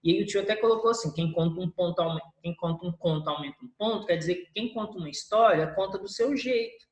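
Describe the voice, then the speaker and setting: A woman's voice: lowish voice, fast. A woman teacher giving a review lesson, drawing out syllables to show word stress. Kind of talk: recorded class review lesson. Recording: echoey room.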